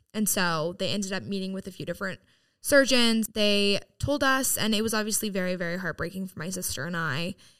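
Here is a woman with an unremarkable speaking voice, medium in pitch and lively in intonation. She talks at a fairly quick pace in a very clean recording with a silent background. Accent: American. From US Mid-Atlantic (Bethesda, Maryland). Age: 20s. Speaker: nonprofit founder and university student. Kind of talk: casual interview.

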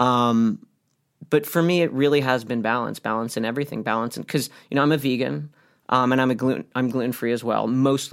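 A man with a plain, everyday voice speaks at a medium pitch and a fairly quick pace, with ordinary pitch variation. The recording is very clean, with a silent background. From US Northeast (New Jersey). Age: 30s. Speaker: artist and filmmaker. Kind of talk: casual chat.

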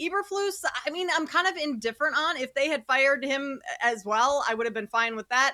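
A woman with an American accent projects a raised voice, high in pitch and bright, sharp in tone. Her intonation is lively and she hardly pauses. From Minnesota. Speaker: sports betting analyst. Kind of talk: casual chat.

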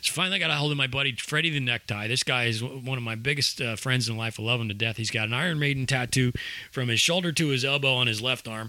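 The speaker has an American accent and talks at a very fast pace. Pitch variation is ordinary. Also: man, medium pitch for a man. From Nebraska. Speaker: rock radio host and former bartender. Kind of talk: casual chat.

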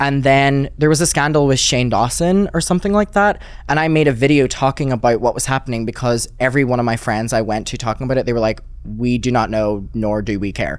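A man in a Derry accent at medium pitch, racing at a very fast pace with lively intonation. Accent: Northern Irish (Derry). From Northern Ireland, Derry. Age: 20s. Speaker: YouTuber. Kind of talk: interview.

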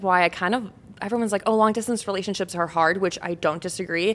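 A woman speaks with an American accent. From Michigan, US Midwest. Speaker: wife of a pro football player, content creator. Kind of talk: casual interview chat.

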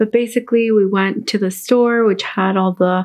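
A woman with an American accent speaks in a monotone, flat intonation on a very clean recording with a silent background. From Orlando, Florida, US; family from Hyderabad, India. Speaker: medical student. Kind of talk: educational podcast chat.

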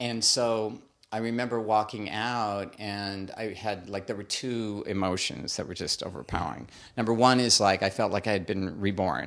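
A man with an American accent, a plain, everyday voice, fairly low pitch, fairly even intonation and a moderate pace over a quiet background. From US Mountain West, Denver. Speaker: nightclub owner. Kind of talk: casual interview chat.

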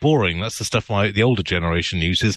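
With a British accent, a man talks at a fairly quick pace with lively intonation. The sound is dry and close with no echo, over a quiet background. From Britain. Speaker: tech journalist. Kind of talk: casual chat.

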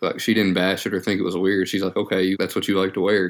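On a very clean recording with a silent background, a man speaks at a fairly low pitch. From small rural town. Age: 30s. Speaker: military veteran. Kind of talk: casual chat.

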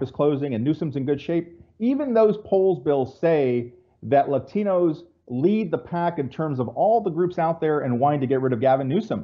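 A man talks at a fairly quick pace with an American accent. His intonation is lively. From Central California. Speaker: newspaper columnist and podcaster. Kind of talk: interview.

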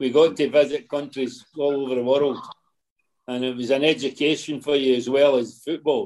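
A man's fairly high voice with a Scottish accent, fairly even intonation and a moderate pace. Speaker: former team liaison officer. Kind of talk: casual chat.

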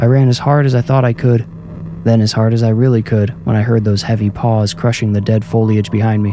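A man with a medium pitch and fairly even intonation talks at a fairly quick pace as music plays in the background. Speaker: horror fiction writer and narrator. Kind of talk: horror story narration, first-person bedtime ghost-story telling.

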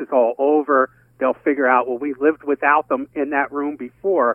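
In a medium pitch, a man speaks with monotone, flat intonation. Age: 60s. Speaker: sports radio host. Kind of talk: casual chat. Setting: phone call. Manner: halting, repeats words.

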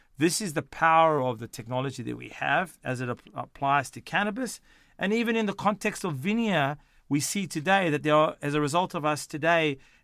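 This man speaks with an Australian accent and a fairly high pitch that shows ordinary variation. His bright, sharp tone moves at a moderate pace. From South Africa, then Sydney, Australia. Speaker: company executive. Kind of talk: interview. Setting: remote call.

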